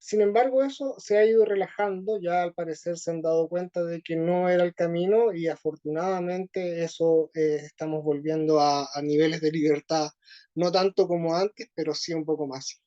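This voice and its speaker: Slow-speaking Chilean man, muffled audio. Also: a little high, fairly even intonation, dark tone. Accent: Chilean Spanish. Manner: slow, hesitant, many pauses and fillers. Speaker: interview guest. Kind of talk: conversational interview.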